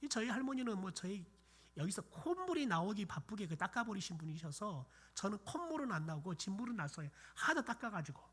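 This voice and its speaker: A man's voice: sits high, very animated, fairly quick, a bit bright, breathy edge. A middle-aged man preaching a sermon in a church, telling folksy family stories and dropping into whispers for emphasis. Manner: folksy storytelling, acting out scolding relatives, dropping to whispers. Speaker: pastor. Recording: church sanctuary.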